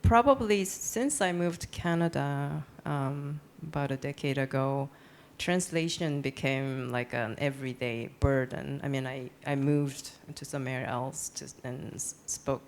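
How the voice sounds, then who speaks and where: Gravelly-voiced artist on a panel, lots of ums, kinda halting. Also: mid-range voice. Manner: hesitant, many fillers and restarts. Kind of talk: panel discussion. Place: panel event.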